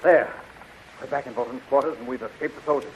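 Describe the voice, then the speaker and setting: An actor playing a brave, gallant young space hero with an earnest, declamatory manner in a 1930s radio serial. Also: male voice, mid-range voice, fast, natural voice. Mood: hurried. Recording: muffled, noisy 1930s radio recording.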